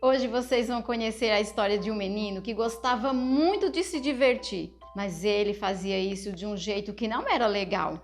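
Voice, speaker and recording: A woman narrating a Christian story for children, often asking the young listeners questions in a gentle, teaching tone. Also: mid-range voice, moderate pace, hardly any pauses, soft background music. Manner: speaks to children with frequent questions.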